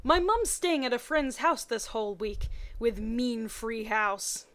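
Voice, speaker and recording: Lady reader doing a cocky teen boy in love, teasing, emphatic, on the high side, story voice. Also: lively intonation, unhurried. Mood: inviting.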